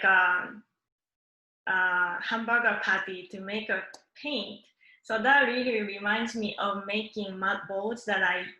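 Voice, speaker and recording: A woman from Japan with a Japanese accent, presenting her work in English, which is not her first language, in a halting way with many fillers and restarts. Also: medium pitch, sharp tone, reverberant, low-quality recording. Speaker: guest artist.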